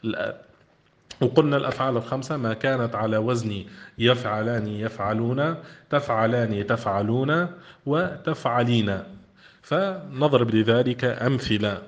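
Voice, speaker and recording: Male teacher, mid pitch, lo-fi recording, reads a text and quizzes the class. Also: normal speed. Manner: reads a text aloud, then explains it with questions to the listeners. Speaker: Arabic grammar teacher. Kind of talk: classroom grammar lesson.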